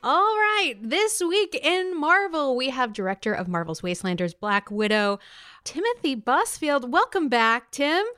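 A woman's voice: sits high, lively intonation, a little slow, bright, forceful tone, no room sound, soft background music. A woman co-hosting a podcast, casual and enthusiastic, with playful promotional chat. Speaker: podcast co-host.

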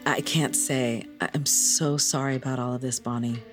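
An actor playing a gentle, careful doctor who speaks softly and measuredly in an audio drama. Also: medium pitch, fairly even intonation, over music, close to an everyday voice. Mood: consoling. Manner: soft, measured, consoling.

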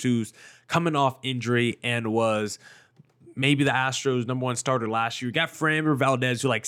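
A young man hosting a solo sports podcast, his voice a little hoarse. He talks with excitement, leaning on "like" and "I mean.". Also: on the high side. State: slightly hoarse from screaming. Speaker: podcast host.

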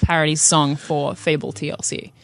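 A woman's voice: deep voice, level tone, normal speed, no room sound. A woman chatting casually as a podcast panelist, with a playful, teasing manner. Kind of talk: casual banter.

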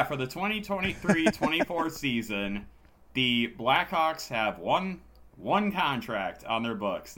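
A man's voice: mid-range voice, pushed and bright, slight background noise. A hungover man co-hosting a casual sports podcast, talking in a dry, sardonic way. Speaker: podcast host.

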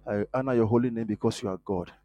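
A man preaching a sermon while hoarse from a cold, earnest and prayerful, growing more fervent as he prays. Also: lowish voice, fast talker, dry recording, muffled recording, faint music behind. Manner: earnest, prayerful, rising in fervor. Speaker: guest preacher.

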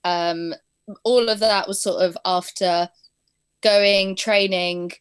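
Her voice is on the low side, steady, slow, and smooth as this young woman chats about teaching performing arts and editing. She's an interview guest with an English accent, born in England and brought up in southern Spain, who fills pauses and laughs readily.

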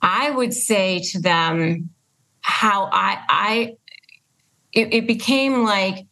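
A woman chatting casually as a podcast host, halting and emphatic as she explains things by quoting herself. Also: mid-range voice, bright, forceful tone, low-quality recording. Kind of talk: casual conversational interview.

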